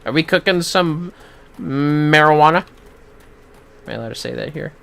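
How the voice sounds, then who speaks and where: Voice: mid-range voice, normal speed, gravelly, fairly bright tone. A game streamer giving casual livestream commentary, sweary and irreverent, often muttering to themself.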